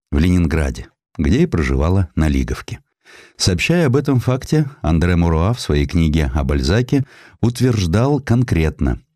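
A man narrating a historical literary audiobook in a measured, expressive, dramatic storytelling manner. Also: deep voice, dry recording, studio quality.

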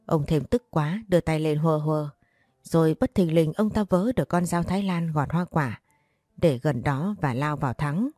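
Low-voiced woman narrating a drama. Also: moderate pace, dry recording. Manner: steady, dramatic storytelling. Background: faint music.

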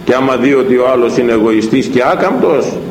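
A man delivers a sermon in a lively, swooping voice, acting out the lines of the people in his stories. His voice rings around a roomy, echoing hall. A faint noise sits behind him. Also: mid-range voice. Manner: storytelling, animated, acts out dialogue. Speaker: preacher. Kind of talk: sermon on a Bible verse with anecdotes.

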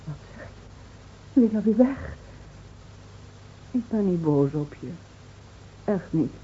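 An actress playing a grieving, devoted middle-aged village wife in a Dutch radio drama, speaking in a solemn, measured, pleading way. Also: female voice, lowish voice, expressive, dark tone, breathy edge, heavily acted. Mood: tender, resigned. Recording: tinny, narrow-band old radio recording.

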